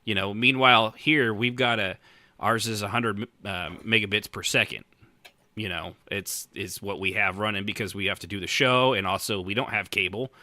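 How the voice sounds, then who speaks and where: A man in his late thirties talks like a casual podcast host, with a bright, forceful voice on the low side. His pitch moves around a lot as he rambles, teases and jokes irreverently. The sound is dry and close. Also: normal speed, no room sound. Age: late 30s. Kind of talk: casual joking podcast chat.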